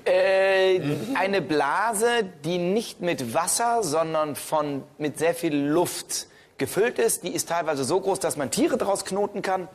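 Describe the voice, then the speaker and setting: Hesitant, slightly hoarse male panelist. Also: high-pitched, lively intonation, takes it slowly. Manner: hesitant, thinking aloud with fillers. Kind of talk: comedy panel banter. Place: TV studio with live audience.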